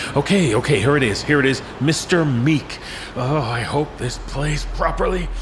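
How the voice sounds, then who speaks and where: This man's fairly high voice keeps a moderate speed and ordinary pitch variation while noticeable background noise plays. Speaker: frantic framing character introducing the audio files. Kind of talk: scripted comedic-paranoid framing monologue.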